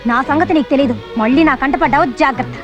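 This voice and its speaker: An actress playing a sharp-tongued young schoolteacher who answers curtly and scolds in comic film dialogue. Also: female voice, high-pitched, quick pace, close to an everyday voice. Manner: scolding, curt. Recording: dull film soundtrack with music.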